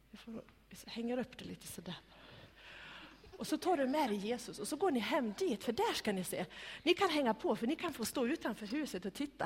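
A woman with a husky voice tells a Bible story to children in a church room, coaxing them to act it out and sometimes dropping to a whisper. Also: fairly high pitch. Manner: animated, coaxing, directs children, drops to whispers. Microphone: microphone on a stand. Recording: long hall reverb.

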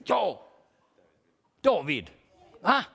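A worried shepherd, as a man plays him in a church, asks the children one question after another and calls out names. His voice sits high for a man and swoops up and down with plenty of animation. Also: big pitch swings, creaky, fairly bright tone, husky, heavily acted. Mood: searching, playful. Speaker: children's talk leader. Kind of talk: playful role-play for children.

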